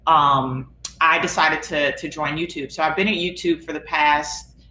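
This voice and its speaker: Brief: very low, bright-toned woman speaking on a panel, echoey room with faint background noise. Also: fairly even intonation. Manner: casual, halting with fillers. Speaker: panelist, product lead. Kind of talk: conference panel introduction.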